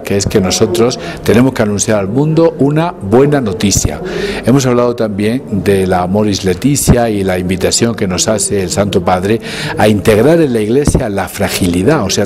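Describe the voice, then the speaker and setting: A man in his fifties, a priest, giving an earnest, emphatic spoken summary of a talk into a handheld recorder, sometimes restarting his phrases. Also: fairly low pitch. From Bolivia. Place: indoors, before a painted mural. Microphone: handheld recorder held close.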